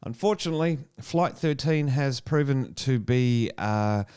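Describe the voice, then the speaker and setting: A man hosting a science talk show, relaxed, with frequent fillers. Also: medium pitch, measured pace, clear, resonant tone. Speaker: show host. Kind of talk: casual science chat.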